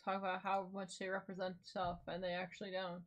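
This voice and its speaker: A woman's voice: on the low side, monotone, brisk. A tired, yawning woman chatting casually as co-host and swearing freely. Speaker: stream co-host. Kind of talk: casual chat.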